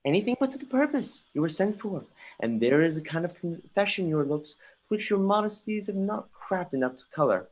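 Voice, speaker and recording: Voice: mid-range voice, big pitch swings, a little fast. An actor reading a melancholy, theatrical young prince. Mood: probing. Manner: theatrical, declamatory, with occasional stumbles. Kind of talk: dramatic reading of Shakespeare. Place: remote livestream from home.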